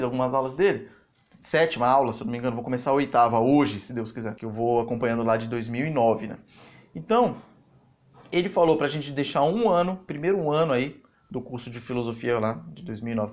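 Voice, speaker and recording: A man's voice: medium pitch, darkish tone. A man with a Brazilian Portuguese accent, hosting his own channel and giving casual, opinionated commentary in reply to comments, talking emphatically and conversationally. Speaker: channel host answering comments.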